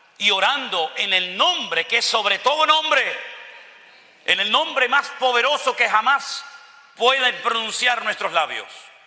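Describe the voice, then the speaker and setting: A man speaks at an extremely high pitch in a raised, projected voice, at a fairly slow pace. Noticeable background noise can be heard. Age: 60s. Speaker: pastor. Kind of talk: sermon.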